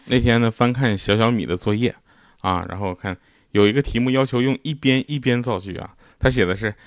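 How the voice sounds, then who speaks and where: A man doing a stand-up joke monologue, telling anecdotes with deadpan punchlines and self-mocking, rambling asides. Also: medium pitch, fairly quick, no echo, clean studio sound, soft background music. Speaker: comedian.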